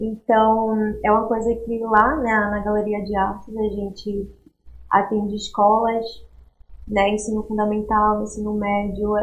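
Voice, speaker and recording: A woman's somewhat breathy, fairly high-pitched voice at a fairly slow pace, monotone and flat in intonation, with audible room echo. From Brazil, Recife (Pernambuco). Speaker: cultural mediator at art gallery. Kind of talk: interview.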